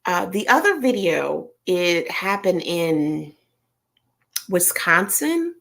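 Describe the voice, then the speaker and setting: A woman with a Southern American accent, chatting casually with viewers on a livestream and telling stories in an animated way. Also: lowish voice, slow pace, creaky. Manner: animated storyteller, talks straight to viewers, frequent fillers. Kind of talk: casual chat.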